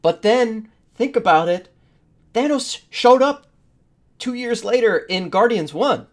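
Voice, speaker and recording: A man's voice: very high voice, expressive, slow pace. A man hosting a podcast, chatting informally and giving emphatic opinions. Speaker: podcast host. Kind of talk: casual opinionated panel chat.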